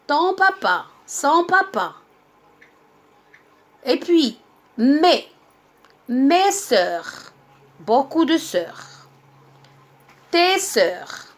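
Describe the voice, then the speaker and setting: A woman's voice: high-pitched, a bit bright. A woman teaching a grammar lesson, explaining patiently with many examples and repetitions.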